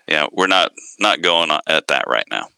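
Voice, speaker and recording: A man's voice: very deep voice, animated, normal speed, vocal fry, pushed and bright, clear, resonant tone, no echo, low-quality recording. A man, an audio company founder, talking casually in an interview, hesitant with many fillers and restarts.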